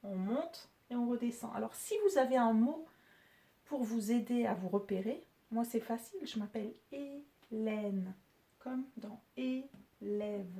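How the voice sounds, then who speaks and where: A woman's voice: a little high, mellow. A woman teacher patiently explaining French spelling and syllables to pupils. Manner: slow, patient, clearly articulated explanations. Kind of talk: spelling lesson for children.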